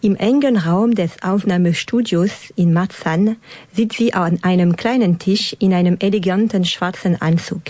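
Low-voiced woman reading radio script. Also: normal speed, a little mellow, dry recording. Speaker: radio host. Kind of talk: scripted community radio narration.

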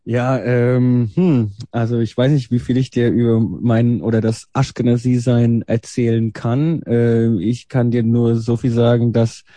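A man's voice: medium pitch, level tone, a little slow, hardly any pauses, dark tone, dry recording. A German man in his thirties, a guest in a radio interview, answering hesitantly and thinking aloud as he goes. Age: 30s.

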